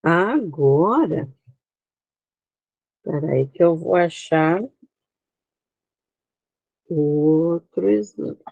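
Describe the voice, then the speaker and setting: Slow-speaking Brazilian woman teaching. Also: low voice, expressive, vocal fry, no room sound, narrow, tinny audio. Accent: Brazilian Portuguese. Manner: slow and explanatory, often pointing out slide details, checks in with students. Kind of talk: online class lecture.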